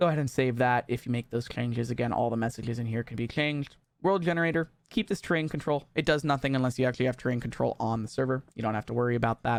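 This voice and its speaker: Recorded with a dry, close sound and no echo, a man talks at a very fast pace. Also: medium pitch for a man, ordinary pitch variation. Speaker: plugin developer and tutorial maker. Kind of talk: software tutorial.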